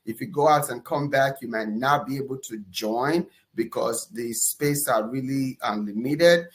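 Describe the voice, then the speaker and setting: A man with a Nigerian accent hosting a live webinar, energetic and enthusiastic, often pausing on "uh" and ending points with "okay?". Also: mid-range voice. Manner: energetic, enthusiastic shout-outs; fillers and repeated "okay?". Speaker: webinar host.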